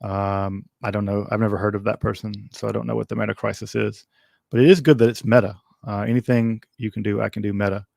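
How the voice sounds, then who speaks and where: A man's voice: on the low side, little pitch movement, fast talker, vocal fry, a little mellow, no echo. A man hosting a casual livestream Q&A, answering viewer questions in a rambling way with many ums, restarts and wry asides.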